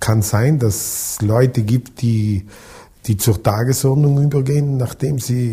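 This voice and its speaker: Somewhat breathy and dark, mellow in tone, a man's medium-pitched voice moves at a fairly slow pace with fairly even intonation. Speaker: musician, victim's brother. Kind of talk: interview.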